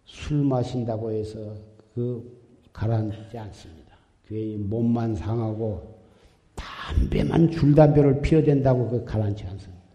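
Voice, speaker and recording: A man's voice: mid-range voice, a little slow, mellow. A man giving an exhorting Buddhist sermon as dharma teacher, recorded in a temple hall. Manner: exhorting, repetitive, admonishing. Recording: echoey hall with long reverb.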